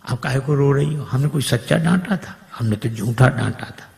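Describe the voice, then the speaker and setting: A man voicing a shy husband who speaks softly to his wife. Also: mid-range voice, expressive, moderate pace, gravelly. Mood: hushed. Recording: long hall reverb.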